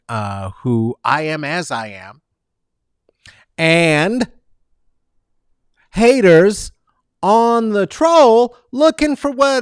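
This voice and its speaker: A man's voice: a little high, no echo. Man, show host, theatrical delivery, close studio mic, dry sound. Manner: theatrical, swings between soft asides and loud sing-song bursts. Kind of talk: animated comedic monologue. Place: home studio with posters and guitar. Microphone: large studio mic on stand, close.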